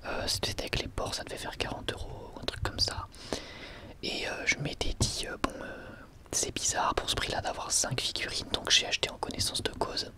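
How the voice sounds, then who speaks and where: An ASMR host whispering a casual, drily ironic product presentation in a hesitant, conversational way. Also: moderate pace.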